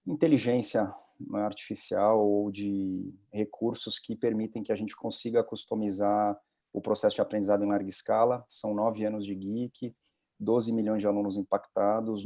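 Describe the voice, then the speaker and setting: Man, low pitch, mellow, flat delivery, measured, video call. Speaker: panelist, education tech company representative. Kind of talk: self-introduction on a webinar panel.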